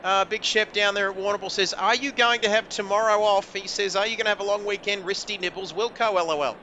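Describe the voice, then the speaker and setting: Bright high-voiced commentator. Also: male voice, steady tone, fast talker, a little hiss or hum. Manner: chatty, jokey, many fillers. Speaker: race commentator interviewing drivers. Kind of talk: post-race interviews over voice chat.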